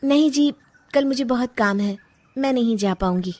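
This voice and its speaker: A woman voicing an unhappy young bride in a cartoon story, curt and sharp, then tearful. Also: on the high side, moderate pace, natural voice. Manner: sharp and curt, breaking into tears. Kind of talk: cartoon voice acting.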